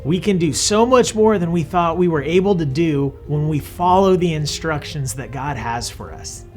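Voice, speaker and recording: Young man, kids' bible lesson host, slightly high voice, soft music underneath. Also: animated, moderate pace. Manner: friendly, explaining, patient. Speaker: children's ministry host.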